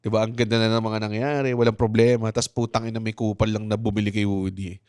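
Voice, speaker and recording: A man's voice: lowish voice, flat delivery, fast talker, a little mellow, clear, resonant tone, dry recording, clean studio sound. A man, co-hosting a podcast in casual comedic chat, crude and joking, often quoting movie lines. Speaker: podcast co-host.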